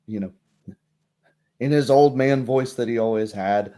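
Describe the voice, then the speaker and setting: A man's voice: medium pitch, mellow, lightly acted. A man playing a guarded, plain-spoken townswoman in a tabletop game, hesitant and choosing words with care. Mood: wary, hushed. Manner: hesitant, measured, picking words carefully. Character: guarded, plain-spoken townswoman talking over local mysteries.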